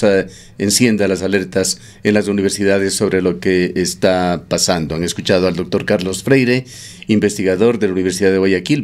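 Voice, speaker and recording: A man hosting a radio news program, interviewing a guest and reading a measured report with occasional fillers. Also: sits low. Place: radio studio.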